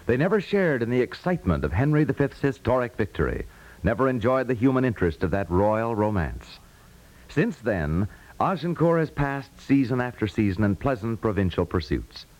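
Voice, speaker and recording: An American man announcing on 1950s radio, reading a script in a formal, measured manner. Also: medium pitch, sing-song, darkish tone, rough recording. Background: music.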